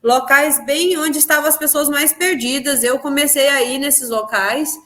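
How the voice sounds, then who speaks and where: A woman's voice: high-pitched, normal speed, a bit bright. A woman with a Brazilian accent telling of her spiritual experiences in an interview, earnest and emphatic, often repeating her phrases. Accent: Brazilian Portuguese. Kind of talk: personal testimony in an interview.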